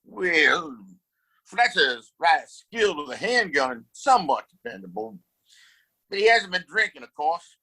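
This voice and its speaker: Pompous, ambitious frontier boss, male actor, high and bright, commanding radio-play villain. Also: big pitch swings, measured pace, husky, heavily acted, rough recording. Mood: grandiose, scheming. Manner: grandiose, commanding, wordy. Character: pompous, scheming, ambitious Old West town boss. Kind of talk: audio play acting.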